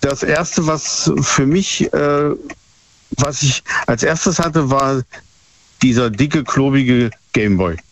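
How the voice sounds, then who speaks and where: A man's voice: mid-range voice, takes it slowly, dry recording. A man in his fifties from former East Germany calling in to a radio show, hesitant, with many fillers and easy laughs. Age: 50s. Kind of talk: casual phone chat. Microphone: telephone. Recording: muffled phone line with faint hiss.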